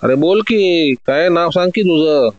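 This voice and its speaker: A man's voice: a little high, expressive, unhurried, no room sound, lo-fi sound, pitched above the performer's own voice. A man reading a story aloud, voicing a hot-tempered male police inspector who blusters and barks demands. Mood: angry.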